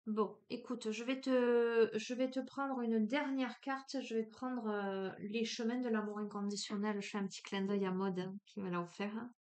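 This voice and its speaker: A woman with a sing-song Marseille accent gives a relaxed tarot card reading, talking right to the viewer as if to a friend. Her voice sits somewhat high, and her delivery is chatty and familiar. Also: moderate pace, hardly any pauses. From Marseille, France. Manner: chatty and familiar, speaks straight to the viewer, peppers lines with "hein".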